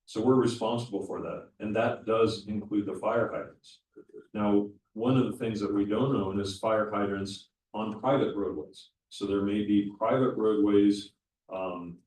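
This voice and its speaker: A man's voice: on the low side, a little mellow. A man speaking as a county official at a community meeting, explaining things step by step with frequent restarts. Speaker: county public works official presenting. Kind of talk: public meeting presentation. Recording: echoey room, voice from far off the mic.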